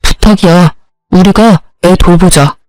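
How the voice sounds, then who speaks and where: A woman's voice: lowish voice, unhurried, a little mellow, no room sound, faint music behind, natural voice, low-quality recording. A woman voicing a husband who pleads and defends his sister, in a storybook reading. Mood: pleading.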